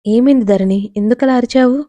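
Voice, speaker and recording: A woman's voice: on the high side, moderate pace, no room sound, muffled recording, close to an everyday voice. A woman voicing a cheerful, firm middle-aged mother-in-law in a storybook. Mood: coaxing. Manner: warmly bossy.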